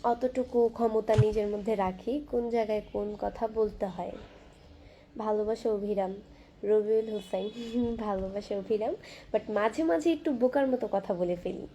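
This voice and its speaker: Young woman, live stream host, soft-spoken, mellow slightly high voice, faint hum behind. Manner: soft-spoken, talking quietly and slowly. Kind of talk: casual live-stream chat, reading viewer comments. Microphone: phone camera.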